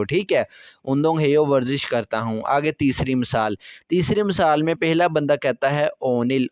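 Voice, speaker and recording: A man's voice: fairly high pitch, clean tone, no echo. A man with an Urdu accent explaining a textbook language lesson, patient and repetitive, often checking that his listeners follow. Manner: patient, repeats key words, checks with "theek hai". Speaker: Korean language teacher.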